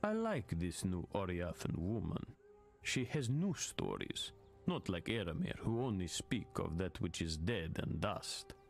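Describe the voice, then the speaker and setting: An actor voicing a proud tribal hunter and storyteller for a video game, speaking in short, simple, broken English sentences. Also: male voice, low voice, wildly swooping pitch, measured pace, vocal fry, faint music behind, full character voice. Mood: curious, approving. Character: boastful tribal spear hunter and storyteller man. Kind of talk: video game character dialogue.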